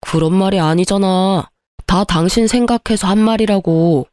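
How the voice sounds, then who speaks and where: A woman's voice: mid-range voice, moderate pace, darkish tone, no room sound, clean studio sound, lightly acted. A woman voicing a bitter, greedy ex-husband in a story reading, with an accusing, defensive way of talking. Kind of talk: storybook narration with acted dialogue.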